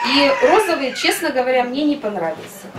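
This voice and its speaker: A woman speaks with a high pitch. Noticeable background noise can be heard. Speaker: cosmetics consultant presenting. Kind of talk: event presentation. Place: meeting room. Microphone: camera far.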